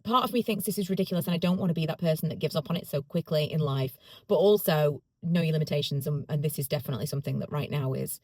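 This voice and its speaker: In a casual, chatty vlog to camera, a woman rambles in a self-deprecating way, repeating phrases to make her point. Her voice sits low and a little mellow, and she talks quickly.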